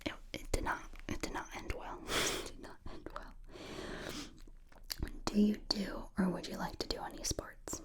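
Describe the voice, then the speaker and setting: A woman in her twenties from the United States, whispering ear to ear as she answers viewer questions in a relaxed, chatty way. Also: mid-range voice, normal speed. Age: 20s. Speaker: ASMR creator. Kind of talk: whispered ASMR Q&A. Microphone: close binaural mic.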